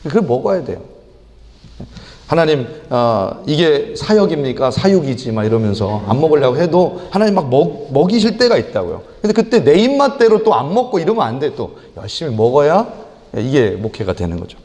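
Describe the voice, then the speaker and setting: A middle-aged man preaching in a church sanctuary, with a fairly high voice that swings widely in pitch. He talks in an animated way and acts out prayers and stern rebukes. A long hall reverb trails his words. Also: brisk. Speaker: pastor. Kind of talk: sermon.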